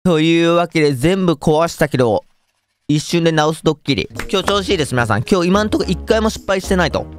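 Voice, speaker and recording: A young man with a lilt, commentating a game in an excitable, joking way. His pitch jumps around a lot and sits a little high. Faint music plays behind him. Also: fast talker, dry recording. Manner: excitable, jokey, talks to viewers. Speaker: gaming YouTuber.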